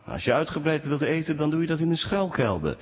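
A man preaching a sermon to his congregation, speaking with animated swings in pitch. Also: quick pace. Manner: animated preaching, rising pitch when quoting complaints. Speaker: pastor. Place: church. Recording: dull sound with long church reverb.

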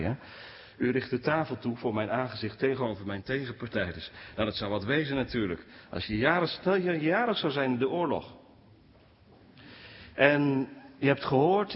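Preaching man in a reverberant church. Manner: animated preaching, rising pitch when quoting complaints. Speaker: pastor. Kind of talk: sermon. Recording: dull sound with long church reverb.

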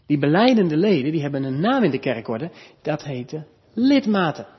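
A man preaching a sermon in a church, teaching earnestly, lifting his voice for emphasis and dropping soft at the ends of points. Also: on the high side, big pitch swings, moderate pace, breathy edge. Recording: reverberant church hall, dull lo-fi sound.

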